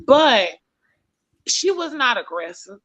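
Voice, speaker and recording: A woman's voice: sits high, sing-song, slow pace, a bit bright. A blunt, profane woman, hosting a casual talk show. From Mississippi, US. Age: late 30s. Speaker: host. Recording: lo-fi stream audio.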